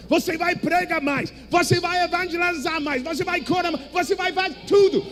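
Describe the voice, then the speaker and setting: A male preacher with an English-speaking foreign accent, delivering a theatrical charismatic sermon in halting, non-native speech. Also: very high-pitched. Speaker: guest preacher. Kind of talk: charismatic sermon in Portuguese as a second language.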